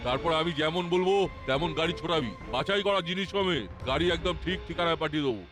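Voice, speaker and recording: A man's voice: a little high, quick pace, over music, natural voice. A man voicing a bossy, scheming smuggling boss in a cartoon, impatient and commanding. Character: bossy, scheming male smuggling gang leader. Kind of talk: cartoon voice acting.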